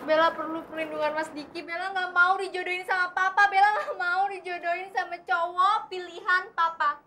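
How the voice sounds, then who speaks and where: A whiny, clingy girl with a very high voice. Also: steady tone, fairly quick, pushed and bright. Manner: whiny, pleading, coy. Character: clingy, whiny young woman. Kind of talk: sitcom acting.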